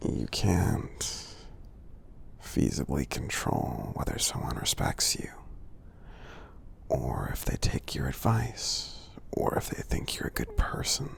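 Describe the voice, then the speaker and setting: Man voicing a very deep, whispering gentle giant. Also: exaggerated voice. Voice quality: breathy whisper with very deep gravelly creak. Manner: slow, soothing, gently earnest. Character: kindly giant friend, gentle, reassuring, encouraging. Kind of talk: ASMR affirmations, whispered and soft-spoken.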